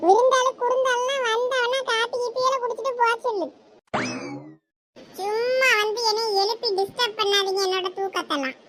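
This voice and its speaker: A voice actor playing a lazy, grumpy young man in a cartoon, grumbling and sarcastic, with a squeaky sped-up voice. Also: steady tone, a little fast, a bit bright, slight background noise. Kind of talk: cartoon voice acting.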